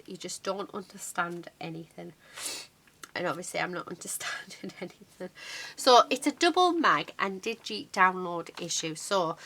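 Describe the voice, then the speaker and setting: A woman's voice: mid-range voice, bright, forceful tone, a little hiss or hum. A middle-aged woman with a cold, chatting casually and rambling as she shows a craft magazine on her channel. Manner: chatty, rambling, many fillers. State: congested from a cold. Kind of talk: casual chat showing a magazine.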